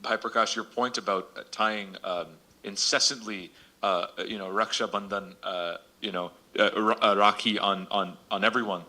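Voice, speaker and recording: A man moderating a panel discussion unscripted, speaking haltingly with many hesitations and repeated words. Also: fairly low pitch, steady tone, pushed and bright.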